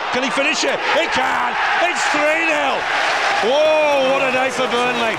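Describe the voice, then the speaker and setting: The speech moves at a fairly slow pace. Loud background noise is present throughout. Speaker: match commentator. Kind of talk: sports commentary. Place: stadium.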